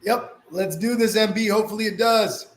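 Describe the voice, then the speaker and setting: A man with a high voice and slight sniffles from a mild cold hosts a casual live painting tutorial, speaking at a normal speed in a reassuring, easygoing way. The recording has a roomy echo and some background noise.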